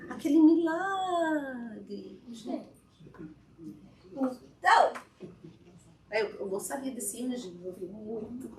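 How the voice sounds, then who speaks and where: A woman with a high voice gives a relaxed spiritual talk to a live audience. She keeps it conversational and often checks in with listeners as she goes. The sound is roomy and echoey, picked up from a distance in a hall. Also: a little hiss or hum. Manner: chatty, often asks the audience "né?". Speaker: guest speaker at a spiritist fellowship.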